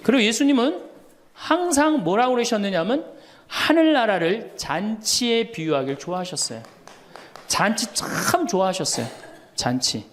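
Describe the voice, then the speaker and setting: An older male priest in his sixties preaches to an audience with a high, bright voice. His pitch swings widely as he tells funny stories, laughing along and acting out the people in them. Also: normal speed. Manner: storytelling with laughter and lively quoted dialogue. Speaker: Catholic priest. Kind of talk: humorous sermon lecture.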